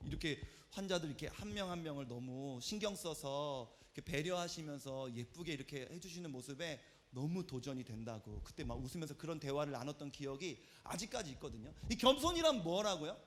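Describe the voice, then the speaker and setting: A man in his thirties, a youth pastor, preaching a lively retreat sermon and acting out the people in his stories. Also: on the high side, brisk, hardly any pauses. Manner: animated storytelling, acts out quoted voices. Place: church hall at a youth retreat.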